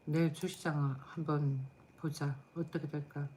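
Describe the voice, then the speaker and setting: Tired, a middle-aged woman hosts a live stream, chatting bluntly and casually while answering chat comments aloud. Her low-pitched, dark voice is flat and a little slow, with slight background noise.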